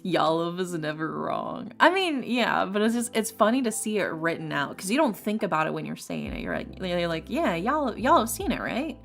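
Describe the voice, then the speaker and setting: A woman's voice: lowish voice, very animated, moderate pace, creaky, few pauses, fairly bright tone. A young woman from Texas with a Texan accent, chatting casually and rambling with lots of fillers as a streamer. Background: lofi music.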